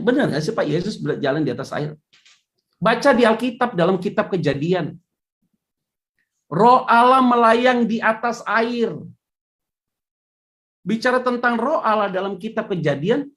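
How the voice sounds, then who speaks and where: Chatty woman pastor preaching. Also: a little high. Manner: chatty, joking asides, animated. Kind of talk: casual sermon.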